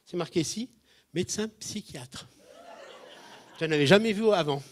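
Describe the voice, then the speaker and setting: Lively storytelling man preaching. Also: high voice, moderate pace, a little hiss or hum. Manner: animated, acts out quoted voices, jumps in loudness. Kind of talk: humorous sermon storytelling.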